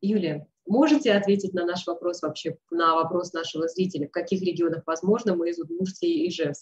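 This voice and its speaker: Over a quiet background, a woman with a fairly low voice speaks at a fairly quick pace with ordinary pitch variation. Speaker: webinar host. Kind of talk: live webinar hosting. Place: home room. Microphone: webcam.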